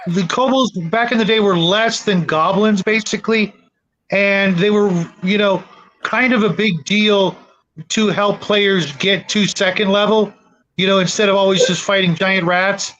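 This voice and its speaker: High-voiced halting man on lo-fi audio. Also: fairly even intonation, a bit bright. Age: middle-aged. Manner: halting, meandering. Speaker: tabletop gaming show co-host. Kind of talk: casual chat. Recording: dull lo-fi voice chat audio.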